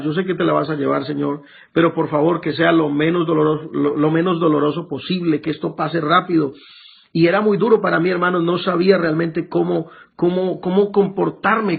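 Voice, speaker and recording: Man preaching a testimony, gravelly husky voice, stumbles and repeats himself, thin phone-like sound. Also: on the high side. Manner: emotional, halting with repeated words. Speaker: pastor giving testimony. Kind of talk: sermon testimony. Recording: tinny lo-fi phone-like recording with faint music.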